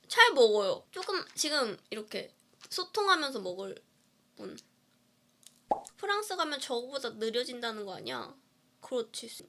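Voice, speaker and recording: A woman's voice: high voice, pushed and bright. A woman indie singer chatting casually on a livestream while eating, playful and giggly as she answers viewer comments. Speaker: indie singer live-streaming.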